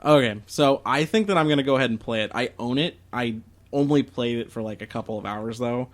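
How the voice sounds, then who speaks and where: A man's voice: medium pitch, a little fast. A young man co-hosting a podcast, chatting casually and enthusiastically with lots of fillers. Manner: enthusiastic, laughs often, many fillers. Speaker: podcast co-host. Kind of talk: casual chat about video games.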